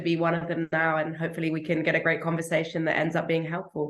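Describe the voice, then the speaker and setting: A woman with an English accent talks at a very fast pace. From England. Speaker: soccer radio analyst. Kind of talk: interview.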